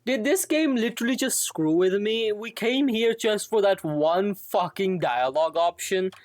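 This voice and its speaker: A man's voice: high voice, animated, a little slow, dry recording, studio quality. A man doing casual gaming stream commentary, rambling and thinking aloud with some salty language. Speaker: game livestreamer.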